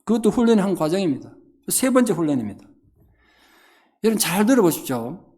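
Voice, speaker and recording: A man's voice: high-pitched, fast talker. A middle-aged man, preaching a revival sermon and telling stories, acting out the quoted lines. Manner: animated storytelling, acting out quotes. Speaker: pastor.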